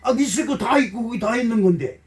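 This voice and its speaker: A man's voice: extremely high pitch, fast, far from the mic. A middle-aged man preaching a sermon as pastor, folksy and emotional, acting out little dialogues and making blunt jokes to the congregation. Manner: blunt, joking asides to the congregation. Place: church sanctuary.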